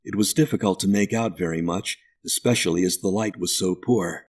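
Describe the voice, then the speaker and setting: Deep, husky male narrator. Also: fairly quick. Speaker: audiobook narrator. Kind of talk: scripted narration of a ghost story.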